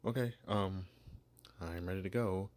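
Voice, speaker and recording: A man's voice: low-pitched, measured pace, darkish tone. A man voicing a shy, clueless young male vampire posing as human in an ASMR roleplay, stammering and apologizing. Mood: awed curious.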